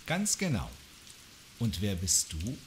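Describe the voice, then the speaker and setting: A man's voice: lowish voice, huge pitch swings, slow, a little hiss or hum, full character voice. A young man playing a police trainee, speaking in a friendly, reassuring way. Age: young adult. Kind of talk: radio drama acting.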